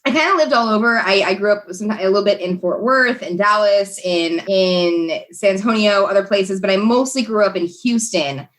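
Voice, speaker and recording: A woman's voice: medium pitch, normal speed, few pauses, fairly bright tone. A woman talks through her own life story as a podcast guest, earnest and chatty, sprinkling in "like" and "you know". Her voice sits in an ordinary middle range for a woman. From Texas, USA. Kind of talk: telling her life story in a casual interview.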